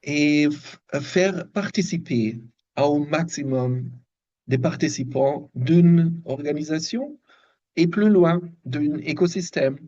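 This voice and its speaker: A man's voice: a little high, takes it slowly, a little mellow, lo-fi sound. A German-accented man speaking in a second language on a video call, thoughtful and searching for words. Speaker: workshop participant, systemic design researcher. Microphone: video call microphone.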